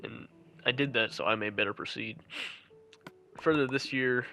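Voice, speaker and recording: A young man with a stuffy, nasal voice, sniffling as he gives an earnest, measured reflective monologue, with some restarts. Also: medium pitch, pushed and bright. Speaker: channel host.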